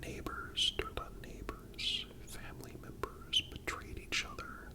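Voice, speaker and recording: A man giving a calm, measured ASMR narration in a deliberate manner. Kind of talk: whispered ASMR history narration.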